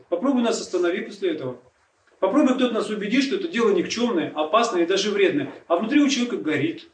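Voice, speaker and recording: A man preaching a sermon, explaining earnestly and asking rhetorical questions. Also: sits high. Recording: echoey room, distant mic, faint noise.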